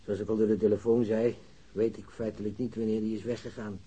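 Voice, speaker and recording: An older father, with a low, husky voice. He is homely and chatty, speaking in a soft-edged, mellow tone like an ordinary householder. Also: flat delivery, quick pace, highs cut off. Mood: chatty, eager. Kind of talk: Dutch radio drama dialogue.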